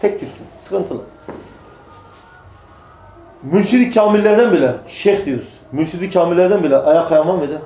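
A man's voice: sits high, animated, normal speed, pauses often, dark tone, roomy sound, highs cut off, slight background noise. A man preaching to a small group, emphatic, repeating phrases and answering his own rhetorical questions. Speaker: religious preacher. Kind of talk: religious talk to a small group.

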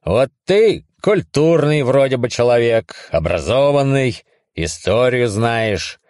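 A man's voice: mid-range voice, animated, takes it slowly, a little mellow, dry recording, clean studio sound, pitched above the performer's own voice. A man reading a story aloud, voicing an irritable, hungover man who swears and snaps sarcastically. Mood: sarcastic. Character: irritable hungover man woken at night, foul-mouthed. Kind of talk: audiobook reading.

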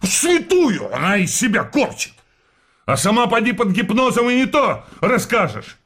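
An actor playing a stubborn, irritable working-class husband, blunt and mocking, in a radio comedy play. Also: male voice, high voice, sing-song, moderate pace, fairly bright tone, exaggerated voice. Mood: angry, mocking.

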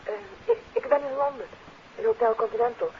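High-pitched, agitated countess. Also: female voice, huge pitch swings, a little hiss or hum. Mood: anxious, urgent. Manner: breathless, halting, stammering. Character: agitated countess urgently pleading for a secret meeting. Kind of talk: 1950s radio drama acting. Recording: muffled lo-fi 1950s radio recording, murmur behind.

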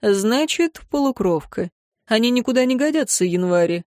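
A woman doing a condescending rich gentleman. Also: a little high, animated, normal speed, no room sound, clean studio sound, natural voice. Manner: patronizing, dismissive. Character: condescending wealthy middle-aged male guardian.

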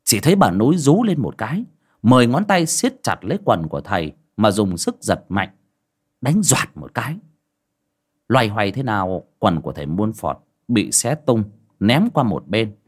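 A man narrating a dramatic folk ghost story in an expressive storytelling manner. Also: lowish voice, moderate pace, slightly rough. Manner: lively, expressive.

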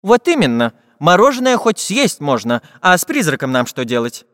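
A man's voice: fairly high pitch, sing-song, moderate pace, a bit bright, no echo, clean studio sound, long reverb tail, pitched above the performer's own voice. A man voicing a practical little iron handyman with an earnest, puffing manner.

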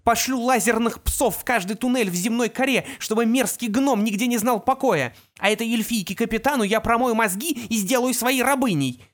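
A woman voicing a sickly mother possessed by a vengeful sorceress, with a shrill, shrieking manner, in an audiobook reading. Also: big pitch swings, normal speed. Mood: furious. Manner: shrill, shrieking, hissing threats.

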